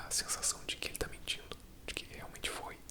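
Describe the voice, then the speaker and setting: A man whispers at a fairly quick pace. Background noise is noticeable. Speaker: ASMR creator analysing films. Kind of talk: ASMR film analysis, soft-spoken whisper. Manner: whispered, soft-spoken, relaxing.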